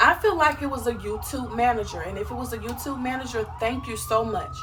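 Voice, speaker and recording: Her voice echoes audibly in the room. The woman is heard over noticeable background noise. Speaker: YouTuber. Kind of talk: casual vlog talk to camera. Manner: loud.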